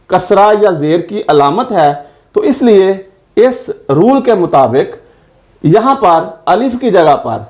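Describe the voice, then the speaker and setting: A fairly high-voiced man teaches a grammar lesson at an unhurried pace. He spells words out letter by letter and repeats each example in a patient, measured way. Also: darkish tone.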